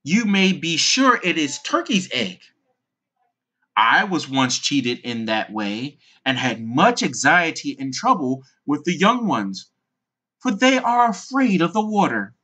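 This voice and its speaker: Old visiting duck for a storybook, done by a narrator: bossy, insistent, lively pitch, slow delivery. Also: heavily acted. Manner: opinionated, insistent.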